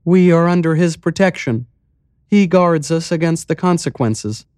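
A man reads her in a raised, lilting register: an unsettling village mayor woman who answers in calm, cryptic riddles. Her voice is hollow and weirdly musical, measured and serene. The sound is close and dry, an audiobook read with no room around it. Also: a little high, no room sound, voice pushed up, natural voice. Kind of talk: audiobook character voice.

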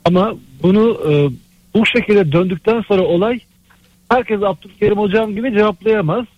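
A man's voice: sits high, no echo, dull audio. Man calling in over a landline phone. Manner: hesitant, many drawn-out "e" fillers, earnest and praising. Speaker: radio call-in listener. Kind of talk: phone-in call to a sports radio show.

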